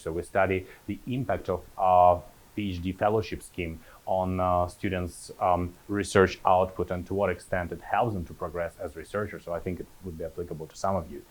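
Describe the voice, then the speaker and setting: A man in his thirties with a somewhat low voice gives an academic talk as a postdoctoral researcher. He speaks haltingly, with frequent fillers and restarts. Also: fairly even intonation. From Kazakhstan. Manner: hesitant, many fillers and restarts.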